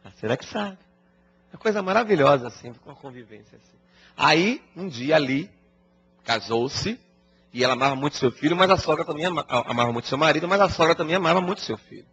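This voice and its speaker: A man giving a storytelling lecture, animated and colloquial with touches of humor, recorded as dull lo-fi broadcast audio. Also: on the high side, quick pace. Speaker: spiritist lecturer.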